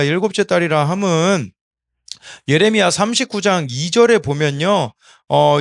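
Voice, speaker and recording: High-voiced man preaching a calm devotional. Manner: measured, explanatory, addresses the congregation; sometimes slips into regional dialect speech. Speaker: associate pastor, son of senior pastor. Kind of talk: early-morning Bible devotional sermon.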